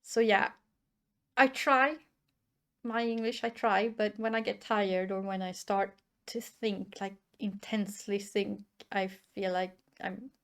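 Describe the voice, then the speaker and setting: A woman whose first languages are Swedish and Norwegian, hosting casual reaction commentary and thinking aloud with many restarts. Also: medium pitch. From Sweden or Norway. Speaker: reaction channel host.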